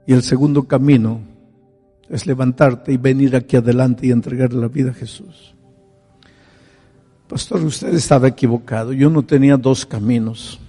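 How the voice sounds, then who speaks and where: A man's voice: medium pitch, steady tone, normal speed, long pauses, husky, close to an everyday voice. A man voicing a reformed alcoholic who pleads with rising emotion, in an echoey hall with faint music. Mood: pleading, emotional. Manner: impassioned, rising to near-shouts.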